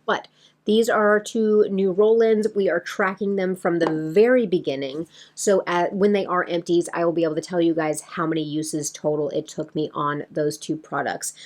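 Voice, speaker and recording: A woman's voice: lowish voice, darkish tone. A woman talking casually to her viewers as a beauty vlogger, in a chatty, rambling way that addresses them directly. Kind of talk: casual chatty vlog to camera.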